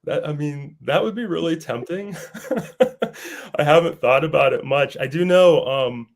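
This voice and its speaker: A man being interviewed as an author guest, slightly raspy from a cold, friendly, laughing easily and repeating words. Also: fairly high pitch, unhurried.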